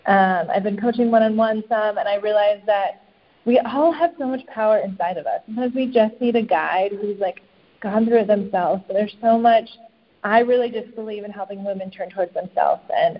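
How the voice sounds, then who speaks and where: A woman's voice: mid-range voice, normal speed. Reflective woman coach, lo-fi audio. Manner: reflective, many ums and likes. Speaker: coach and author, guest. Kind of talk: casual interview chat. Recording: slightly dull lo-fi podcast audio.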